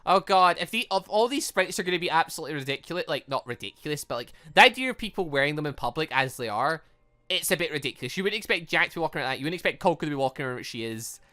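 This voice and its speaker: A gaming host doing a visual novel let's play, reading lines aloud and rambling through off-the-cuff reactions in an animated way. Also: medium pitch, racing.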